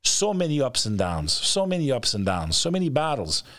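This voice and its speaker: A middle-aged male host speaks at a medium pitch in a sing-song, fairly quick, slightly bright voice with no echo. His motivational interview talk is blunt, emphatic and profane, repeating phrases for weight. He's in an indoor studio setup on a video call, using a close studio microphone on a stand.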